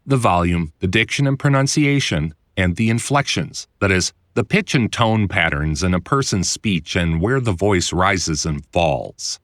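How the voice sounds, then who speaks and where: A man reading his own instructional audiobook in a conversational, clearly enunciated way, like a voiceover producer explaining the trade. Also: fairly low pitch, a bit bright, no room sound, clean studio sound. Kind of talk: scripted instructional narration.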